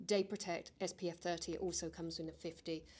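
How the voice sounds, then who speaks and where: A woman with an English accent. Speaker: makeup vlogger. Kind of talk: makeup tutorial. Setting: home studio. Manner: loud.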